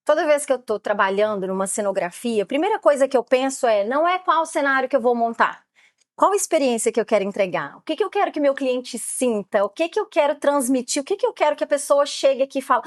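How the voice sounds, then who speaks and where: High-voiced Brazilian woman explaining eagerly. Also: no echo, studio quality. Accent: Brazilian Portuguese. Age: late 30s. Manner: lively, explanatory, many fillers. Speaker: photographer guest. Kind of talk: podcast interview.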